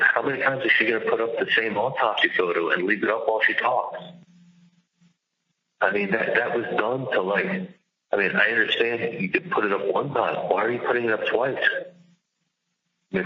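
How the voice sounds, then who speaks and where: Deep voiced guy venting on a dull lo-fi jail call, worked up, swears a lot, repeats himself. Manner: agitated, emphatic, repeats himself. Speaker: jailed caller on a recorded phone call. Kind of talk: casual, profane phone venting. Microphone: telephone.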